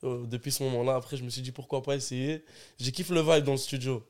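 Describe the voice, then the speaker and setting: A man's voice: medium pitch, steady tone, fast talker, darkish tone. A young man, a rapper guest telling stories in casual, slangy podcast chat. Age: young adult. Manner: laid-back, slangy storytelling.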